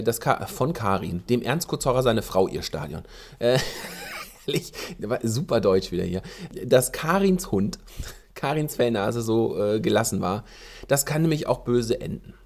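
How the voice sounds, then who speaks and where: A man hosting a podcast, giving casual advice to dog owners and working as a dog trainer, talking in an animated way with frequent ums and restarts. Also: mid-range voice. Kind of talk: casual spoken advice talk.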